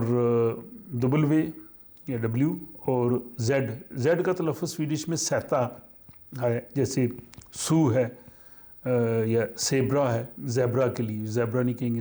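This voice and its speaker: Teaching a language lesson, a man speaks at an unhurried, deliberate pace in a dark, mellow voice of medium pitch. His explanation is slow and halting, with frequent pauses and many fillers as he works through each point.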